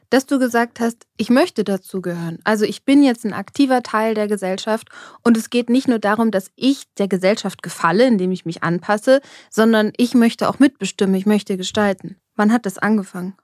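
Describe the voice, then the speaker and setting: A woman's voice: a little high, normal speed, darkish tone, no room sound, studio quality. A woman hosting an interview, asking open questions and listening with short affirming sounds.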